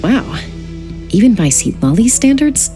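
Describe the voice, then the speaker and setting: A woman's voice: medium pitch, sing-song, measured pace. A woman playing a cool, composed young tribal woman in an anime video game, with a laid-back, dry delivery. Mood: dry, teasing. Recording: background music under studio dialogue.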